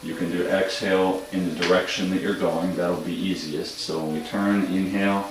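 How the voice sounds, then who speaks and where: A man in his thirties serenely guiding tai chi movement and breathing in short, calm instructional phrases with pauses. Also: deep voice, noisy background. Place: indoor home room with hard floor. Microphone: distant camera microphone across the room. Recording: echoey room from far off, music behind.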